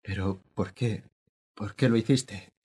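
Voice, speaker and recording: A man voices an anguished young former pupil in a radio play. His voice is low and husky, and he presses each line in a pained, pleading way. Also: slow, mellow, heavily acted. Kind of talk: radio drama acting.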